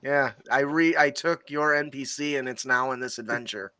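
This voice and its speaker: A man running a tabletop game as game master, narrating casually with many fillers and pauses. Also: medium pitch, bright, forceful tone, no room sound.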